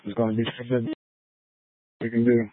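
A man's voice: mid-range voice, completely flat delivery, brisk, breathy edge, dry recording. A man, a patrol officer, giving short, matter-of-fact replies over a walkie talkie. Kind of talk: radio traffic with dispatch. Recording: tinny two-way radio, dry.

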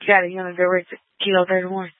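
A woman's voice: lowish voice, completely flat delivery, fast, no echo. A woman working as a police dispatcher, speaking tersely and procedurally over a two-way radio. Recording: thin narrowband police radio transmission.

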